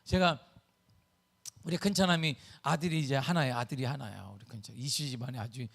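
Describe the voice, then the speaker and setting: A middle-aged man preaching a sermon as pastor, telling a story with sudden swings between loud bursts and hushed asides. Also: mid-range voice, fairly quick, vocal fry.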